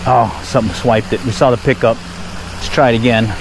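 A man giving relaxed, chatty running commentary while fly fishing at a park pond, recorded on a head-mounted action camera. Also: medium pitch, fairly quick, gravelly. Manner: relaxed, chatty, pleased exclamations at each catch. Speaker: fishing vlogger. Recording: outdoor action-camera audio with background noise.

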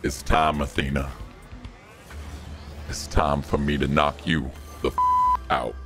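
Deep voice-changer villain type, slow and flat. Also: male voice, soft background music, exaggerated voice. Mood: taunting. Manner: slow taunting. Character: menacing deep-voiced male alter ego. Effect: voice changer pitched deep.

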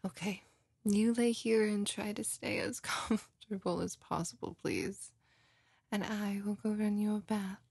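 Woman voicing a lovey girlfriend, breathy, unhurried, cooing, gushing, intimate ASMR roleplay, close dry sound. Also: medium pitch, fairly even intonation, darkish tone, no echo. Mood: tender, soothing. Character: doting, lovey girlfriend, tenderly comforting her partner. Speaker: roleplay audio performer.

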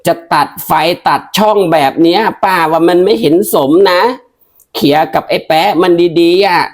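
A coarse older village auntie, put on by a woman, who talks rough and blunt and lectures without pause. The voice sits noticeably lower than a plain speaking voice and carries a brash, folksy edge. It is a broad comedy-sketch character. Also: close to an everyday voice. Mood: lecturing. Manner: crude, scolding, uses rough familiar speech.

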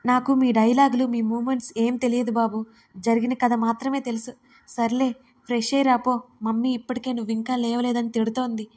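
A woman's voice: on the high side, little pitch movement, brisk, a little mellow, natural voice. A woman voicing a cheeky young woman who gossips smugly and teases her sister. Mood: teasing. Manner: chatty, smug and teasing.

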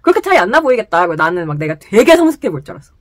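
A young woman telling a personal story to the camera in casual chat, animated and laughing often, in a small indoor room. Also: mid-range voice, rapid-fire, no room sound, studio quality. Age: young adult. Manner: animated, laughs often, gestures while talking. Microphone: camera close in front, sitting.

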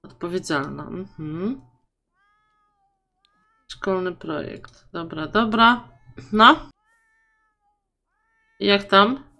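A young woman casually commenting on her life-simulation game, chatting to her sims and her viewers and going high and loud when surprised. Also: expressive, drawn-out words, creaky, long pauses. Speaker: gaming YouTuber. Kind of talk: casual let's-play commentary.

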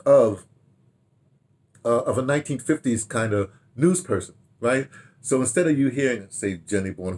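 An older man telling stories casually to camera in an animated, rambling way, repeating himself and trailing into asides. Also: medium pitch, husky. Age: older, 60s or 70s. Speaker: radio drama director reminiscing. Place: small home study, indoors.

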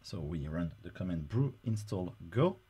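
Low, warm-voiced man explaining. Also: big pitch swings, normal speed, slightly rough. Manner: casual, explanatory, frequent "uh" fillers. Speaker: software tutorial presenter. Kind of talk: screen-recorded software tutorial.

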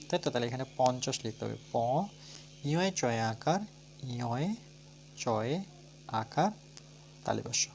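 A man with a Bengali accent teaches a math lesson at a middle pitch. He walks through each step, counting slowly aloud and spelling words out letter by letter. A faint hiss and hum sit under his voice. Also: darkish tone. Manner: talks through steps, asking and answering his own questions.

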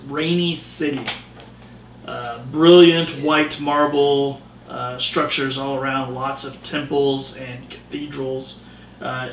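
Male game master, gravelly voice, rambling scene narration, echoey room. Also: mid-range voice, a bit bright, slight background noise. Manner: loose descriptive narration with many fillers. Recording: roomy distant recording.

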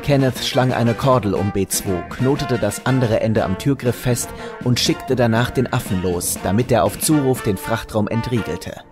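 A man narrating a comic audio drama from a script, dryly, with dramatic pauses. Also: medium pitch. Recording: music behind the voice.

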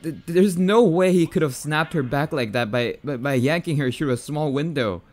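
A man's voice: fairly high pitch, normal speed, darkish tone, faint music behind, natural voice. A young man playing a jumpy, bashful catboy boyfriend in an ASMR roleplay, stammering and hesitant, bratty but sweet. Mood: excited, startled.

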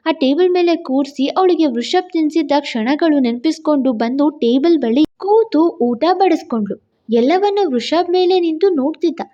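A woman reads a romance story aloud in steady, expressive scripted narration. Her voice is high, and the recording sounds dull and lo-fi. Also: normal speed.

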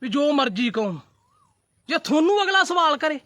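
A man's voice: extremely high pitch, very animated, moderate pace, fairly bright tone, no room sound, clean studio sound. A man ranting defiantly to his viewers in a casual live video, repeating himself and brushing off threats. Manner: defiant, repetitive, addresses viewers as brothers. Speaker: social media live streamer. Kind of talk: heated casual rant to viewers.

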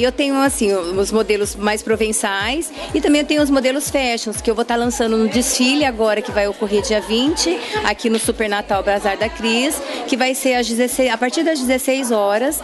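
A young Brazilian woman shop owner talks a little high into a handheld mic, promotional with hesitant fillers. Music plays clearly behind her indoors. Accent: Brazilian Portuguese. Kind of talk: interview answer. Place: indoor children's clothing stand. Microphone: handheld microphone.

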